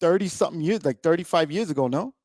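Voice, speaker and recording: A man's voice: fairly high pitch, fast talker, no room sound. Chatty male host, dry close sound. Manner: relaxed, chatty interviewer with fillers. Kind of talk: casual interview.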